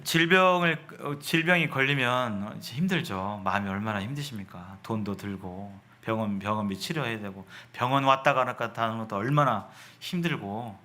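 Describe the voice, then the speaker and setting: A man with a fairly low-pitched, bright and forceful voice preaches a sermon to a congregation. He explains as he goes, often repeating phrases and putting rhetorical questions to his listeners.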